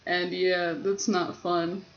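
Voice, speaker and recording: A man's voice: sits high, little pitch movement, slow, vocal fry. A young trans man talking candidly and wryly with a friend in a casual chat. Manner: candid, wry. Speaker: guest. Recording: slightly dull, faint hiss.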